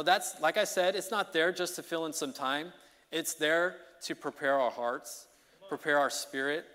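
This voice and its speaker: Chatty preacher in a reverberant church. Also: male voice, on the high side. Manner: conversational, energetic, often checks in with "okay?" and "you know". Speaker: preacher and song leader. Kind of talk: informal midweek sermon. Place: church sanctuary. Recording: long reverb of a church hall.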